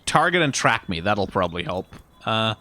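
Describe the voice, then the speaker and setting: A man's voice: lowish voice, very animated, moderate pace, bright, forceful tone. A man doing casual gameplay commentary, thinking aloud in a musing, wryly exasperated way. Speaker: video game streamer.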